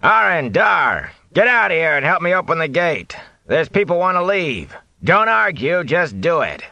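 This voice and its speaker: A man voicing a blustering middle-aged watchman who is loud and bossy. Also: medium pitch, big pitch swings, measured pace, no echo, pitched above the performer's own voice. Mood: barking orders.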